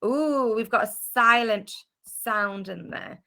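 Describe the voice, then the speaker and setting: A British woman teaching an online phonics class to young children, sounding out letters clearly and praising often. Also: a little high, slow, background noise. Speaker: primary school teacher. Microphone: video call.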